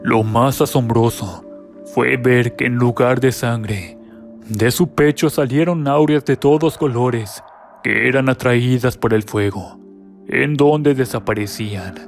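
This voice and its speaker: A man's voice: medium pitch, slow, faint music behind. A man giving scripted, dramatic narration of a first-person horror story.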